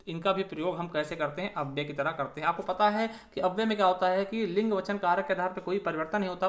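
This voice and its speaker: A man teaching an exam-prep grammar lesson. He explains step by step, keeps checking in with the listener, and slows down to stress each example word. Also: high-pitched, a bit bright. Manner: stresses example words and slows down over them.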